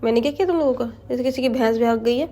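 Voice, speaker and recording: Brief: woman reading as a cocky tapori girl with street swagger, high mellow voice. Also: very fast, close to an everyday voice. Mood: cocky, teasing. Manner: swaggering street slang, stammers when caught. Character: brash tapori-talking young woman, cocky.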